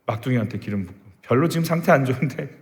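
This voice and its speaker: Recorded in a reverberant church hall, a senior pastor preaches a sermon to his congregation in a medium-pitched, expressive, slightly mellow voice. He races along, emphatic and full of rhetorical questions.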